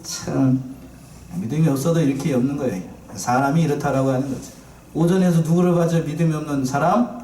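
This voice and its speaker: A man preaching a sermon as pastor, lively and playful, asking his congregation questions. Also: on the high side, fast talker, a little hiss or hum. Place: church sanctuary. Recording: echoey church from far off.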